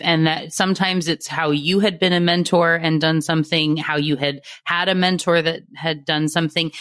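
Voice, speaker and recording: A woman's voice: low voice, a bit bright, dry recording, clean studio sound. A woman hosting a podcast interview, friendly and appreciative, who laughs easily. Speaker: podcast host.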